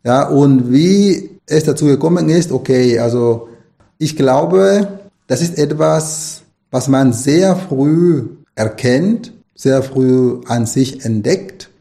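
A man's voice: medium pitch, expressive, slow, creaky, dark tone. A middle-aged man from Nicaragua, a Spanish native speaker, answering interview questions as an author and lecturer, thoughtful and rambling with many restarts.

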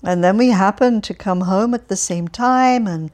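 A woman's voice: mid-range voice, moderate pace, darkish tone, lightly acted. A woman reading an audiobook, voicing a cheerful, chatty elderly man who rambles and stumbles over his words. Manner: rambling, stumbling, relentlessly upbeat.

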